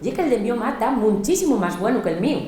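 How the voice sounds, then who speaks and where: Asturian woman storyteller playing a little girl, higher voice, roomy echoey room. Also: racing, a little hiss or hum. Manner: plays a small girl, lively and mock-dreamy. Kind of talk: theatrical storytelling monologue.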